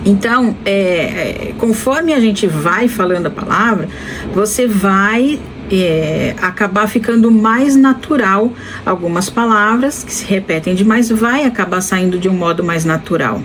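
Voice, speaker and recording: Noticeable background noise runs under a woman's voice. She speaks fairly slowly with ordinary pitch variation. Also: medium pitch for a woman. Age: 50s. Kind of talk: casual talk to camera.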